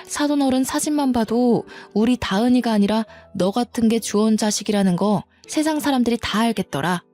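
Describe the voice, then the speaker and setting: A woman's voice: a little high, moderate pace, dark tone, faint music behind, lightly acted. A woman voicing a fierce, protective older sister-in-law with a blunt, bossy way of talking. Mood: furious.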